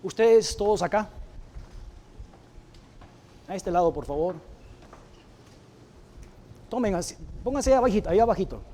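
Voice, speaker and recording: A man preaching a church sermon to his congregation, moving from hushed, slow phrases to loud, emphatic declarations. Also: high voice, animated. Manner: addresses the congregation directly and calls people up to the front.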